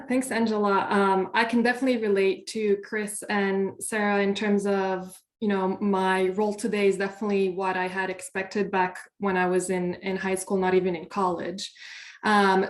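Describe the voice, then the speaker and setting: Flat-voiced young woman from Morocco. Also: mid-range voice. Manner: measured, many um pauses. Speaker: panel speaker, solar developer. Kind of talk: panel talk over a video call. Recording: echoey room.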